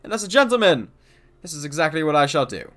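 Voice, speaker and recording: Man doing a pompous gentleman inspector. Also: a little high, very animated, fast. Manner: theatrical, grandiose. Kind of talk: game dialogue read aloud.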